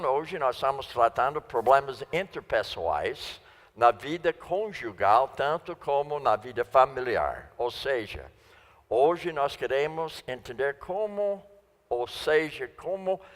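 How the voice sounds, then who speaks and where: A man's voice: mid-range voice, animated, slow pace, fairly bright tone. A man preaching a sermon in Portuguese, which is not his first language, stressing and repeating key phrases. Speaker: guest preacher. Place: church sanctuary. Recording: long church reverb.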